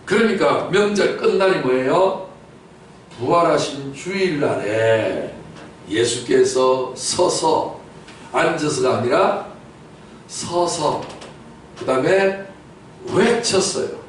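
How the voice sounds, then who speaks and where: A man's voice: fairly high pitch, expressive, slow pace, long pauses. Male pastor preaching in an echoey church. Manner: emphatic preaching with questions to the congregation; rhetorical repetition and sudden loud outbursts. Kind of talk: sermon. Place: church sanctuary. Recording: echoey church from a distance, faint noise.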